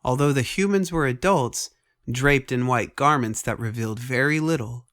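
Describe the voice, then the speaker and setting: A man's voice: mid-range voice, normal speed. A man reading scripted dramatic fiction as the narrator of a story. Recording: loud music under voice. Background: music.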